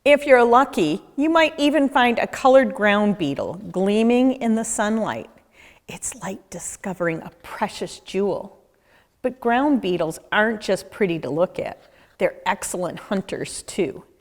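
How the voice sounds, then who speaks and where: A woman reading a children's book aloud, expressively and deliberately, as a nature educator speaking to young listeners. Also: mid-range voice, animated. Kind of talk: children's read-aloud narration. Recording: echoey, reverberant room.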